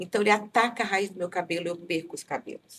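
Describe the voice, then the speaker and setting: A woman talks at a fairly quick pace at a medium pitch. She uses a normal speaking voice. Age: 60s. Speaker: city councillor. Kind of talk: interview.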